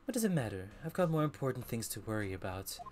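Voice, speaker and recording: A man's voice: mid-range voice, sing-song, fast, close to an everyday voice. A man voicing a proud, cold young male prosecutor who speaks curtly and with disdain. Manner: curt and disdainful.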